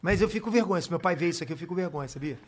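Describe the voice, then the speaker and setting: A man's voice: on the high side, very fast, a little hiss or hum. A man telling stories in casual chat as a podcast guest, swearing freely with self-deprecating laughs.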